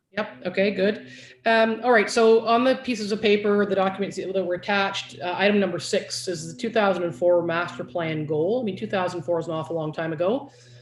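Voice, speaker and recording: With a Canadian accent, a woman talks at a fairly quick pace in a medium pitch, her pitch varying in an ordinary way against audible room echo. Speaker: county councillor chairing meeting. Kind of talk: council meeting discussion. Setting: video conference meeting. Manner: fast.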